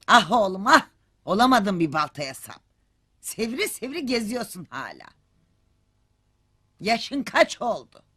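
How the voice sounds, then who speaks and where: A sharp-tongued scolding mother. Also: mid-range voice, very animated, takes it slowly, pauses often, breathy edge, full character voice. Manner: scolding, sarcastic, proverb-quoting. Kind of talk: TV film acting.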